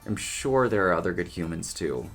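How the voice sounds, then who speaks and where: Man acting male cryptid, low pitch, sardonic, apologetic, flamboyant, expressive, audio drama, faint music behind. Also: normal speed, creaky.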